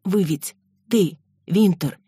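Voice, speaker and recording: A man's voice: sits high, slow pace, mellow, breathy edge, no room sound, studio quality, pitched above the performer's own voice, heavily acted. A man voicing a tearful young woman who pleads and sobs, raising his voice for her. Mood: sobbing. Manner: sobbing, pleading.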